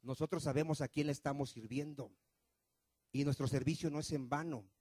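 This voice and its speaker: A male pastor preaches, firing question after question at his congregation. His voice sits fairly high for a man, swinging from loud pushes to low murmurs. The sound is dry and close. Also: steady tone, fairly quick, dry recording. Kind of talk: sermon. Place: church.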